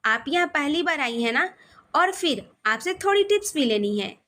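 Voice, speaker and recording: A woman's voice: high-pitched, very animated, moderate pace, a bit bright. A woman reading the part of a cheerful young brother-in-law who teases and pleads. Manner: teasing, pleading.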